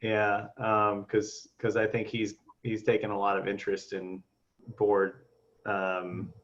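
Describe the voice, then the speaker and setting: Halting man chairing a meeting, muffled. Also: fairly low pitch, completely flat delivery. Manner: halting, many restarts and fillers. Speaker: board member leading the meeting. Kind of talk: casual meeting discussion.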